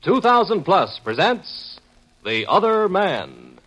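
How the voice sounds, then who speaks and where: A man's voice: high voice, big pitch swings, takes it slowly, a bit bright, full character voice, low-quality recording. A man as a dramatic 1950s science fiction radio announcer, proclaiming each phrase grandly. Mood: grandiose.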